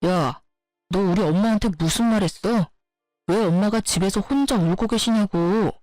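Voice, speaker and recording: A woman's voice: medium pitch, normal speed, a little mellow, dry recording, soft background music, lightly acted. A woman voicing an angry young husband who curtly accuses his wife, in a narrated story. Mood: accusing. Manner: accusing, curt.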